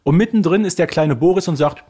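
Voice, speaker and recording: A man co-hosting a talk podcast, chatting about an audio drama series like an animated storyteller and posing rhetorical questions. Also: fairly high pitch, fast. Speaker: podcast co-host.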